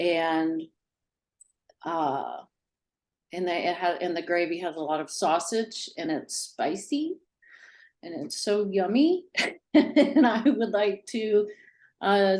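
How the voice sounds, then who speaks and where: A woman of medium pitch speaks with a Southern US accent. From US South. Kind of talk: casual chat. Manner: halting.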